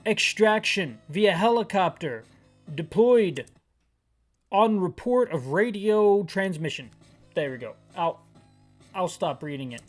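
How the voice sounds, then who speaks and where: A man hosting an audio-described video game playthrough, narrating the screen with rambling, wry, self-mocking asides. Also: high voice. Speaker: gaming channel host.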